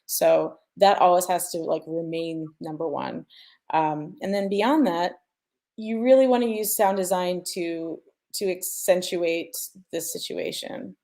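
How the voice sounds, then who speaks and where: Low, creaky-voiced woman explaining her craft. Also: unhurried, warm tone. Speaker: sound designer sharing mixing advice. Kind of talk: informal panel explanation.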